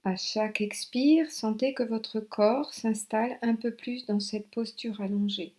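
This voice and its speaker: A woman guiding a yoga relaxation meditation as an instructor, giving soothing, unhurried instructions with long pauses. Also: on the high side, fairly even intonation. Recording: soft new-age music behind. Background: new-age relaxation music.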